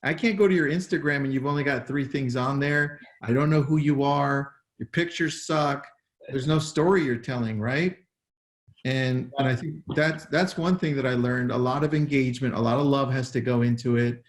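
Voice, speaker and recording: A man's voice: medium pitch, moderate pace. A man hosting a casual interview who repeats words as he steers the talk. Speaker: host. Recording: roomy echo.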